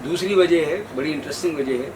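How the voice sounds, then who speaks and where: A man's voice: a little high, fast. A man from Haryana, an actor, telling an unscripted anecdote with emphatic, repeated parallel phrases. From Haryana, India. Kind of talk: unscripted anecdote at a press event. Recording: distant mic, noisy room.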